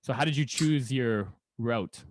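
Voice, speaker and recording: A man's voice: medium pitch, a little slow, a little hiss or hum. A man co-hosting a podcast, asking casual, rambling questions in an informal way. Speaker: podcast co-host. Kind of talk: casual conversational interviewing.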